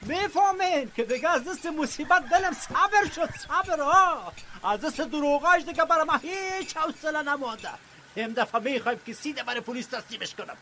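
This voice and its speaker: An exasperated village man in a radio play, with a very high voice that swings up and down. He challenges people bluntly, full of suspicion and mockery, over clear background noise. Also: animated, pushed and bright, full character voice. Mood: fed up. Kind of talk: radio drama dialogue.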